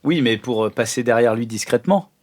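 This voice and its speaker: A man's voice: mid-range voice, a little fast, heavy background noise. A man chatting casually as a player in a tabletop role-playing game. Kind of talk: casual banter.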